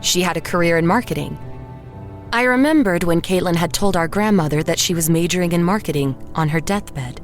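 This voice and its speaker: An actress playing a wistful, uneasy woman artist who narrates her own story in a measured, reflective audio drama style. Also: on the low side, close to an everyday voice. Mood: wistful, bitter. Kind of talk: first-person scripted audio drama narration. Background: music behind the voice.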